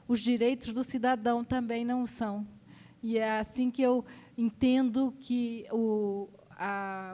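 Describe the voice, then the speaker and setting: A woman with a slightly high voice speaks as a panelist. She talks in a measured way, pausing and hesitating as she works through each point. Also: darkish tone. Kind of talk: panel discussion answer.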